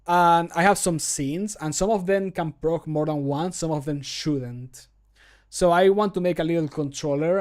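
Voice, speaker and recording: A man's voice: fairly high pitch, darkish tone. A man in his thirties chatting casually and playfully on a livestream, rambling as he works, close to the microphone. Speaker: streamer recording mod voice lines. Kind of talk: casual livestream commentary while working. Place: small home room with computer. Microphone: close desk microphone.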